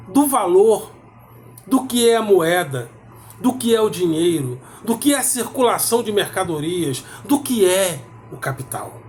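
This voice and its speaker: A man lecturing on philosophy, measured and emphatic, repeating key words for weight. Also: high voice. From South America. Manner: measured, emphatic repetition with pauses. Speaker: philosophy teacher. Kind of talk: explanatory lecture.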